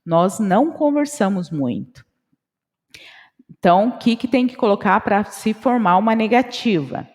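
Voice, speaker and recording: Slow, lively-voiced Brazilian woman teacher. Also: medium pitch, in a large hall. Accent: Brazilian Portuguese. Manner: slow, repeats English phrases and translates them. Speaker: English teacher. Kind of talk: online English lesson.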